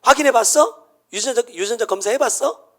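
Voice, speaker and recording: A middle-aged man with a Jeolla Korean accent, preaching a sermon as pastor, dropping to hushed whispers and rising to shouts. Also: very high voice, a little fast.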